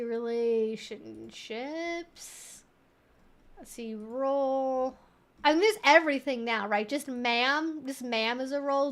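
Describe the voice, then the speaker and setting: High-pitched woman chatting casually on a livestream. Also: fairly bright tone. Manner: rambling, thinking aloud, amused. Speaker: livestream host and kink educator. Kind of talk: casual live Q&A chat, reading out and reacting.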